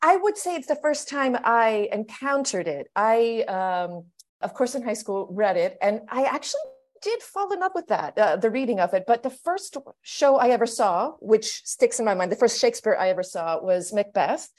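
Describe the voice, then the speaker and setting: A woman from Pittsburgh, a stage actor, speaking as a guest on a podcast in a thoughtful, measured way. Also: a little high, lively intonation. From United States (Pittsburgh). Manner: thoughtful, measured, often laughing softly. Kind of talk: casual podcast interview.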